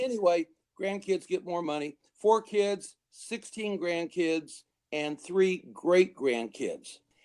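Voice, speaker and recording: A man speaks at a high pitch with ordinary pitch variation. His pace is very slow. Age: 60s. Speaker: grandfather, podcast guest. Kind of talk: casual interview answer.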